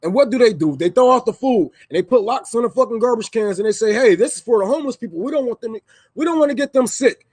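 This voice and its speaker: Man, high-pitched, heated livestream rant, profane, repeats himself, dry sound. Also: animated, fast talker, a little mellow, dry recording. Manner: heated, profane, preachy, repeats lines for emphasis. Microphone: microphone.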